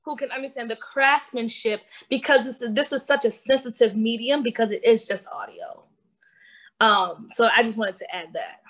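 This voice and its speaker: A woman with a Baltimore accent talks with emphatic conviction, speeding up as she fires off rhetorical questions. Her voice sits a little high. She speaks as an audio drama maker who does all the character voices herself. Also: steady tone, moderate pace, fairly bright tone. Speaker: audio drama creator and voice actor. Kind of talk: panel discussion.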